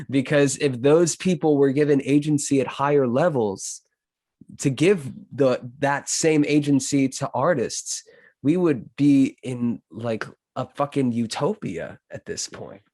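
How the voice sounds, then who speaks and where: A man hosting a podcast conversation in a loose, effusive way, halting and then landing on emphatic phrases. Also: mid-range voice, darkish tone, dry recording. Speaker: podcast host. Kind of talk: casual conversational podcast interview.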